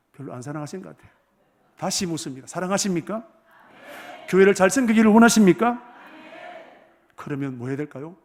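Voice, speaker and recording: A male pastor preaching a sermon in a church. He keeps asking the congregation questions and swings between hushed words and forceful ones. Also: high-pitched, creaky. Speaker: senior pastor. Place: church sanctuary.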